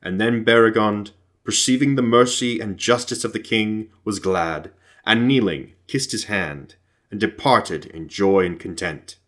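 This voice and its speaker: A man narrating an epic fantasy audiobook in a formal, measured storytelling manner. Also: lowish voice, fairly bright tone.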